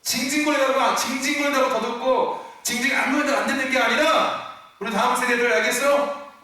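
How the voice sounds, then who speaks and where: Animated high-voiced male pastor, echoey church. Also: fairly quick. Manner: animated preaching, asks the congregation questions and acts out whiny complaints; calls out hallelujah and amen. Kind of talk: Friday sermon. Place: church sanctuary. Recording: very echoey church hall, mic at a distance.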